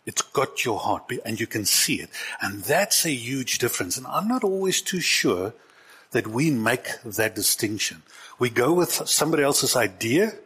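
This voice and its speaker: A man's voice: medium pitch, very animated, moderate pace, a bit bright, breathy edge. A man preaching a conversational sermon to his congregation as pastor. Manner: conversational preaching, shifts into acted quotes.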